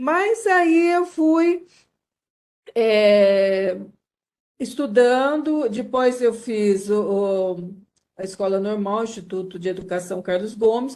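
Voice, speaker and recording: A woman speaks at a very slow pace with long, frequent pauses. Her fairly high pitch moves in very wide swings. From Brazil, Campinas (São Paulo state). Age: 60s. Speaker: lawyer and professor, interviewee. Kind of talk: interview, personal life story. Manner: hesitant, many fillers.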